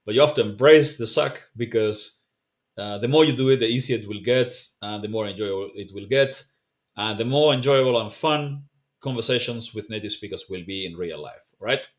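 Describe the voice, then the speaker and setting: A man whose first language is not English, explaining a language practice method to camera in a relaxed, conversational way with frequent fillers and self-corrections. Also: lowish voice, normal speed. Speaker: language teacher. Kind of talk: casual explainer video, talking to camera.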